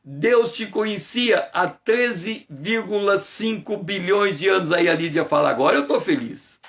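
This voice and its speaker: A man giving a conversational morning devotional sermon as a pastor, playful and teasing, greeting viewers by name and slowing down to stress key phrases. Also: high voice, expressive, fairly bright tone. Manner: slows down and stretches phrases for emphasis.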